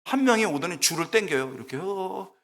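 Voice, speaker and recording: A middle-aged man preaching a sermon, telling funny stories in an animated, exclamatory way and acting out the people in them. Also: high-pitched, a little fast. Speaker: guest preacher, preaching professor. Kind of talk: sermon with humorous storytelling. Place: church sanctuary. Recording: long church reverb.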